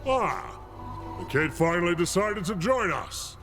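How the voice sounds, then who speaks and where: A man's voice: high voice, sing-song, unhurried, heavily acted. A man playing a boisterous, boastful veteran warrior in a video game, talking with hearty, mocking swagger. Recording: music behind the voice.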